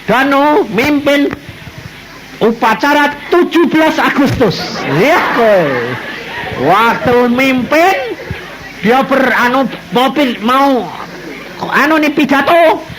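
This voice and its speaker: High lively Javanese-accented male preacher, animated storyteller, live hall with crowd noise. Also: slow pace. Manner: animated storytelling with acted-out quotes and bursts. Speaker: evangelist preacher. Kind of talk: testimony-filled sermon. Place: church hall with congregation.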